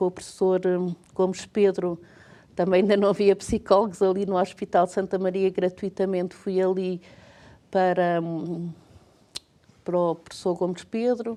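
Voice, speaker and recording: A woman's medium-pitched voice, dark and mellow in tone, monotone and flat, with long, frequent pauses. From Portugal, Coimbra. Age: 60s. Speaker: university lecturer and psychologist. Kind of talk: TV interview. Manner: halting.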